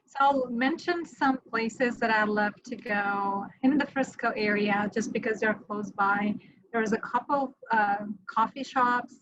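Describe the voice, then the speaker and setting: A woman's voice: on the high side, unhurried, fairly bright tone, highs cut off, slight background noise. A middle-aged woman from Romania, a mortgage lender answering interview questions in a friendly, matter-of-fact way.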